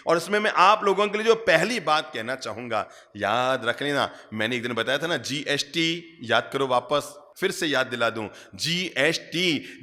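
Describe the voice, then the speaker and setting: Man giving a sermon, fairly high bright voice, big hall echo, keeps repeating lines and quizzing the crowd. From India. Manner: animated, rhetorical questions to the audience, repeats phrases for emphasis. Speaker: Jain monk preacher. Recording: long hall reverb.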